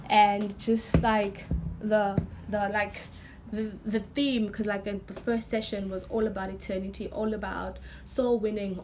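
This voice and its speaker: A young woman with a hoarse, nearly lost voice, talking excitedly and rambling with many fillers in a casual vlog. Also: medium pitch, noisy background. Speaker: vlogger.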